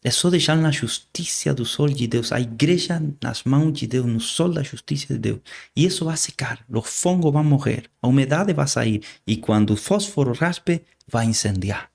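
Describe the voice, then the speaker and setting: An animated, creaky mid-range voice with a darkish tone belongs to a guest preacher from Argentina, a native Spanish speaker with an Argentine accent. He preaches earnestly in an interview, halting often and repeating words.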